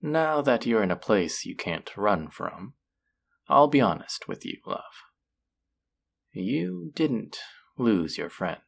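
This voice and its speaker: A man voicing a flirty, possessive demon casino worker in a roleplay audio drama, teasing and taunting with seductive, drawn-out phrasing. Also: lowish voice, very animated, creaky, heavily acted. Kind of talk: scripted roleplay audio drama addressed to the listener.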